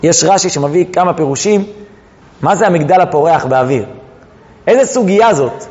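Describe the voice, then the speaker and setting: High-voiced man teaching religious texts. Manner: animated, drawn-out emphasis, storytelling. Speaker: Torah teacher. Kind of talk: religious text lesson. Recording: dull recording in echoing hall.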